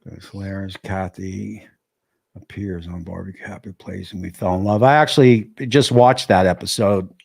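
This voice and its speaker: A man's voice: low voice, steady tone, moderate pace, creaky, a little mellow. A middle-aged man with a New Jersey accent hosting a casual livestream chat, stumbling over restarts and reading viewer comments aloud. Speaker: livestream host.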